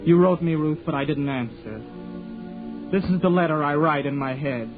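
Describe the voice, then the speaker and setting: A man's voice: on the high side, normal speed, natural voice. An actor in his twenties playing a young disabled man confined to a window, speaking a wistful inner monologue in 1940s radio acting. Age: 20s. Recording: tinny lo-fi 1940s radio broadcast over music.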